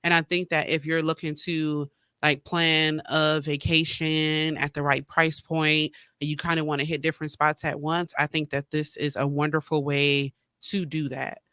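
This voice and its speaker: A man's voice: fairly high pitch, level tone, normal speed, pushed and bright, smooth, no echo, studio quality. A man hosting a podcast, chatting casually with lots of fillers and sounding a little congested from a cold. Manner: chatty, rambling with many fillers. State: slightly congested, getting over a cold. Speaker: podcast host. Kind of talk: casual solo chat. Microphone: streaming mic.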